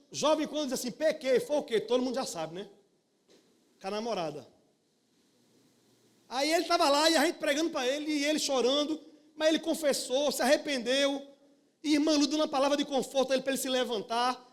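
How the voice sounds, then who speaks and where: Pastor preaching in church, really high voice, folksy and animated, keeps asking the crowd for amens. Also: male voice. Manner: animated, folksy, talks to the congregation. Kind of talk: live sermon with storytelling.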